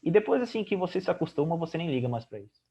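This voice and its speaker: A man's voice: fairly high pitch, big pitch swings, racing, vocal fry, mellow, slightly rough. A man on a casual podcast, speaking hesitantly with many fillers, switching between English and Portuguese. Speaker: podcast co-host, English teacher.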